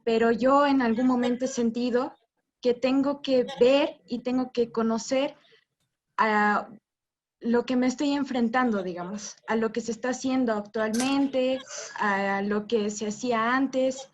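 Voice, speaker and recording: A woman's voice: a little high, steady tone, unhurried. A young woman filmmaker in her twenties speaking on a panel, tentatively describing her own experience. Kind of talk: panel discussion. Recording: dull lo-fi sound.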